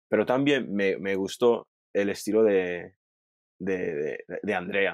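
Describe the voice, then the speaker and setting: At a very slow pace, a man speaks at a fairly low pitch with fairly even intonation. The sound is dry with no echo, and the background is quiet. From England. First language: English (speaking Spanish). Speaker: Spanish learner; interview guest. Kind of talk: interview. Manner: halting, many fillers. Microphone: earbuds.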